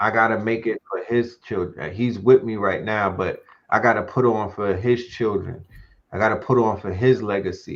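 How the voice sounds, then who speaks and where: A New York accent at a moderate pace, with fairly even intonation. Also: man. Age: 50s. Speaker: streamer and podcast host. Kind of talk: casual chat.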